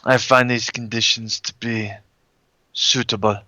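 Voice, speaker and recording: A man voicing a solemn nonhuman swamp creature in a tabletop game, speaking formally and haltingly without contractions. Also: mid-range voice, level tone, bright, forceful tone, rough recording. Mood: formal, measured. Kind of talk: tabletop roleplay in character.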